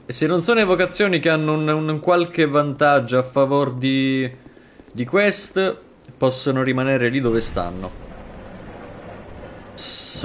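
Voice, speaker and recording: A man streaming a video game live, commenting with animated, jokey asides and frequent swearing. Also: a little high, slight background noise.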